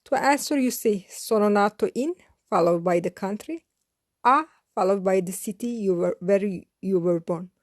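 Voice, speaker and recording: A woman teaching a beginner lesson in a slow, scripted way, spelling out each phrase carefully and repeating it. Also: medium pitch, a little mellow, no room sound, studio quality. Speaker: language teacher.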